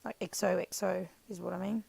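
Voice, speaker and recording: A woman with an Australian accent and a croaky, scratchy voice from being sick, chatting casually as she narrates her crafting. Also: fairly low pitch, steady tone, a little fast, darkish tone, dry recording. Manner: chatty, rambling, self-deprecating, many fillers. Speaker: scrapbooking vlogger.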